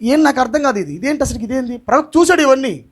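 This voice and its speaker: A male pastor preaching an impassioned sermon, dropping in English phrases and shouting the lines he wants to stress. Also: extremely high pitch, expressive, fast.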